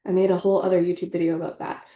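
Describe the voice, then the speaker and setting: A young tarot reader talks rapid-fire in a lowish, warm, level voice that sounds stuffy. Her chat is casual, earnest and packed with fillers, and the room echoes.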